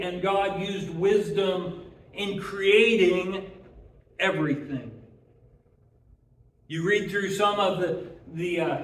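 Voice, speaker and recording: Male preacher, earnest sermon delivery; recorded from a distance in a roomy, echoing space. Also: high voice. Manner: earnest, repeats words when restarting, draws out key phrases.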